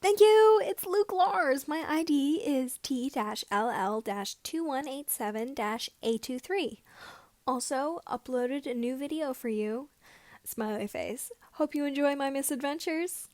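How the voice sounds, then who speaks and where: A woman's voice: high voice, lively intonation, measured pace, a little mellow, no room sound. A woman voicing an eager young farm boy mechanic in a story, gushing and enthusiastic. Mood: excited, grateful.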